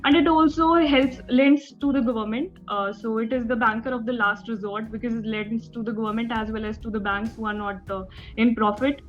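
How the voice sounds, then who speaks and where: A woman's voice: fairly high pitch, steady tone, fairly quick. A young woman with an Indian accent answering as a candidate in a formal interview, nervous, hesitant and deferential. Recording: dull band-limited audio with background music.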